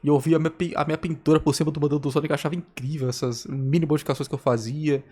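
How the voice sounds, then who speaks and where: A man's voice: a little high, fairly even intonation, rapid-fire, a little mellow, husky. A Brazilian man reacting casually, telling stories in a rambling, slangy way. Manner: slangy, rambling, repetitive storytelling. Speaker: reaction video host.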